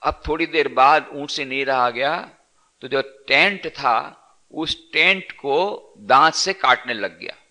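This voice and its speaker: Male preacher, storytelling sermon, bright tone, repeats key phrases. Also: medium pitch, slow. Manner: repetitive, storytelling teacher. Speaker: monk giving a discourse. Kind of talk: scripture discourse sermon.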